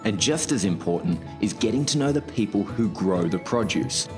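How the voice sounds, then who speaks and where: A man in his thirties hosts a cooking show, his voice sitting slightly low and easy. He talks upbeat and keen, with bright music playing beneath him throughout. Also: lively intonation, moderate pace. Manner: upbeat, enthusiastic. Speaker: host. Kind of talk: lifestyle cooking show narration and chat. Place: outdoors at a market, farm and garden.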